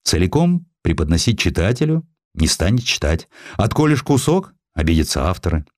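A man narrates a historical sketch in a fairly low voice with very lively intonation. The sound is dry and close, and the delivery is that of a scripted, expressive audiobook reading. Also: moderate pace, dry recording.

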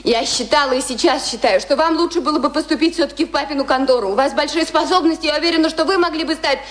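A woman's voice: high-pitched, fast talker, natural voice. An actress playing a sheltered, naive young woman of good family in a Russian radio play, anxious and affectionate, with hesitant repeats. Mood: reproachful.

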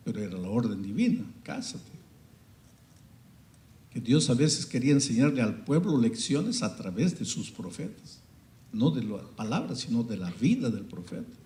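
A male pastor preaching a sermon, dramatic and storytelling, swinging between loud peaks and hushed passages. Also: mid-range voice, sing-song, moderate pace, roomy sound.

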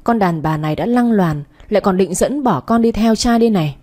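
A woman voicing a scolding middle-aged female swindler who shouts accusations fast. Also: medium pitch, animated, natural voice. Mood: accusing.

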